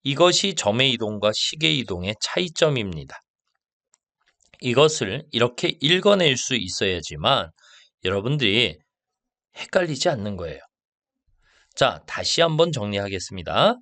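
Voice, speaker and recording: A male math teacher giving a lecture. He slows down to stress key terms and keeps asking if the class follows. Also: medium pitch, sing-song, sharp tone, no room sound. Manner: slow and stressed on key terms, asks checking questions.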